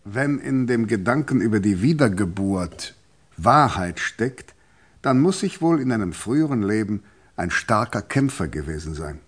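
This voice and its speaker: An actor playing a gentleman author who looks back on his combative life, reflective and composed, in a radio play. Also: on the low side, animated, normal speed, breathy edge. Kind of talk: autobiographical narration in a radio play.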